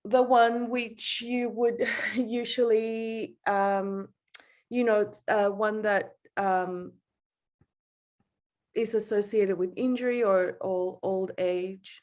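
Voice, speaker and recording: A woman from El Salvador giving an informal, personal artist's talk over a video call, halting and self-deprecating, often laughing as she speaks. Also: medium pitch, fairly even intonation, a little mellow. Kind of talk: informal personal reflection in an online panel.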